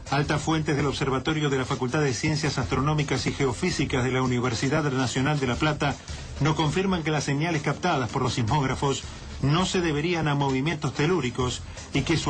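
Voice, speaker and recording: Grave male newsreader played by an actor, higher-pitched, formal radio-drama emergency bulletin over prominent music. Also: natural voice. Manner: formal, solemn, measured. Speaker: radio newscaster.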